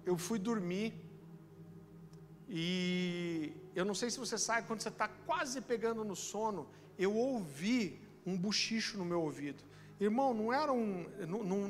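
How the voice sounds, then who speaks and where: A man in his thirties with a Brazilian accent from Curitiba, preaching a sermon and telling a personal testimony in an animated storytelling way. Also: high voice, big-room sound, slight background noise. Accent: Brazilian Portuguese, Curitiba. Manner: animated storytelling, addresses listeners as brother. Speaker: pastor. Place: church auditorium.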